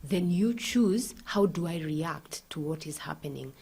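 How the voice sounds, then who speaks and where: A woman's voice: low-pitched, expressive, measured pace, warm tone, breathy edge. A woman co-hosting a talk show, making her points with emphatic rhetorical questions and sometimes dropping to a whisper. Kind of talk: casual talk-show discussion.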